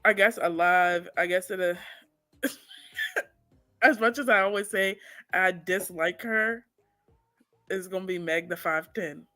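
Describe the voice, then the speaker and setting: A woman co-hosting a podcast in casual chat, playful and quick with asides, laughing often. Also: lowish voice, bright, forceful tone, dry recording. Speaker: podcast co-host.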